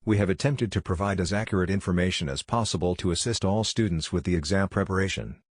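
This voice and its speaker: A man with a low voice narrates exam practice material from a script. His delivery is measured and formal, and the sound is dry and close. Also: no room sound. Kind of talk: scripted narration, read aloud.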